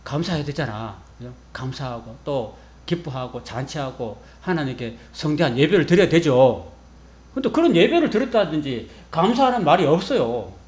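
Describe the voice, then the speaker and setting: Preaching with a medium-pitched voice, this pastor acts out the quotes as he tells the sermon's story with lively humor.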